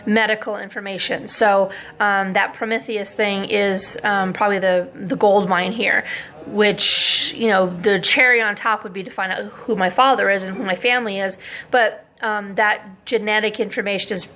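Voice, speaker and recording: A woman in her forties talking casually to camera, rambling with many pauses and fillers as she thinks aloud. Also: mid-range voice, steady tone, pushed and bright. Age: 40s. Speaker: vlogger.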